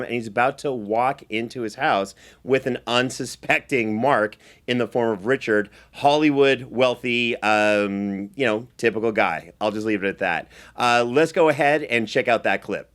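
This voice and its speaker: A man's voice: mid-range voice, normal speed, few pauses, fairly bright tone. A man hosting a conversational interview. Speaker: host and series producer.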